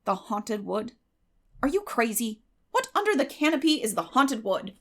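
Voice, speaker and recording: A woman plays a stern older woman in a storybook reading. Her voice has a creaky edge, and she scolds in a firm, brisk, unsympathetic way with no patience for nonsense. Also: a little high, sing-song. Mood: incredulous. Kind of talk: dramatic audiobook character acting.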